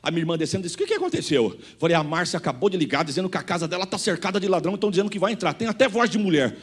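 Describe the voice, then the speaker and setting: A man's voice: high-pitched, very fast, breathy edge. A Brazilian man preaching a fervent testimony, calling out to the congregation. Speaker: pastor.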